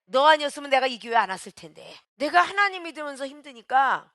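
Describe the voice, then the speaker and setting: A woman pastor preaching a sermon with emphasis, swinging between shouts and hushed, quiet lines and calling out to the congregation. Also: high-pitched, very animated, quick pace, no echo, studio quality.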